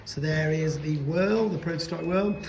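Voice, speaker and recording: A man's voice: on the high side, moderate pace, a little mellow, slight background noise. A man chatting casually as he films a walk-around vlog of a convention venue, rambling with many restarts and losing his voice. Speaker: toy vlogger.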